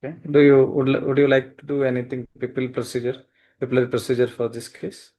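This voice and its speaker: A man with a South Asian accent speaks at a middle pitch. He teaches and questions as an examiner on a webinar, in an insistent manner. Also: level tone, quick pace, dark tone. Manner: insistent, repeats questions, checks with "correct?". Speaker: medical examiner. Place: webinar call.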